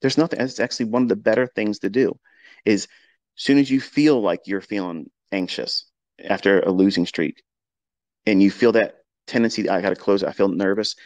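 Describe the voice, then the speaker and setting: A man's voice: on the low side, moderate pace, darkish tone, no room sound. A man mentoring traders in a live audio-room talk, earnest and repetitive, often doubling back on his words. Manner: earnest, repetitive coaching with spoken asides. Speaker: trading mentor. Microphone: home microphone on a live audio stream.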